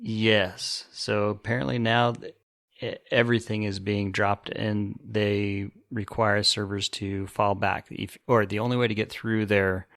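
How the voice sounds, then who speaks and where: Gravelly, even-toned man on tech news. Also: fairly low pitch, unhurried, no room sound, studio quality. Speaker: podcast co-host. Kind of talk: casual tech news discussion.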